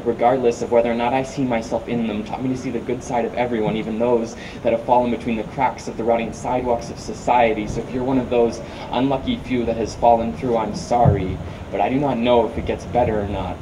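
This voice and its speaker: A man's voice: medium pitch, little pitch movement, quick pace. A teenage boy performing rhythmic, wordplay-heavy spoken word poetry at a podium during a large outdoor rally. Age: teens. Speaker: student performer. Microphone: podium mic, picked up from a distance. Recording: distant mic, noisy outdoor sound.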